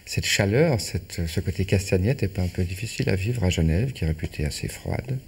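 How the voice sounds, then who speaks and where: A man interviewing a guest in a courteous, measured way, with gently probing questions. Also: low-pitched, animated, creaky, breathy edge.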